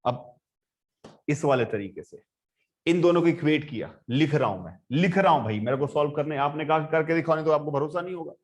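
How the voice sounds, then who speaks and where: A man lecturing a physics class, switching between quiet and loud talk as he works problems and speaks to his students. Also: fairly high pitch, a little fast. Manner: animated, swings between soft and loud, addresses students directly. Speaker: physics teacher.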